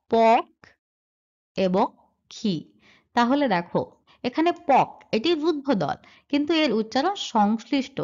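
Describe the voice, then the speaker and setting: Patient woman teaching, lo-fi sound. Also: high-pitched. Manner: patient, repeats steps and checks in with 'ঠিক আছে?'. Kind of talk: Bengali grammar lesson, explaining verse meter. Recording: dull lo-fi voice recording.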